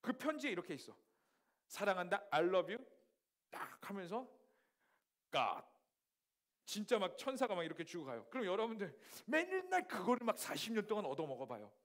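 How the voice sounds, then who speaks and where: High-pitched lively male preacher. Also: fairly quick. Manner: lively preaching, acts out quoted voices. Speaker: youth pastor. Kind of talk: sermon.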